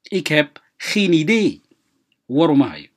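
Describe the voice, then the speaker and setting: A language teacher hosting a lesson, giving quick explanations and then repeating short example phrases slowly. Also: mid-range voice, big pitch swings. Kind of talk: radio-style language lesson.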